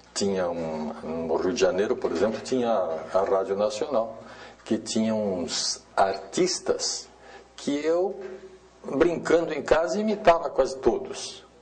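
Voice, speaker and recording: Against noticeable background noise, a man speaks at a very slow pace with very wide pitch swings. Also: medium pitch for a man. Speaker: radio actor. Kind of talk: interview answer. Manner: casual, reminiscing.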